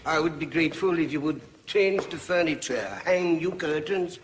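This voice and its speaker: A man's voice: on the high side, moderate pace, in a large hall, slight background noise, close to an everyday voice. An actor playing a weary, idle elderly king who speaks in a languid, dry and ironic way, in a film scene with music behind. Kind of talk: film drama acting.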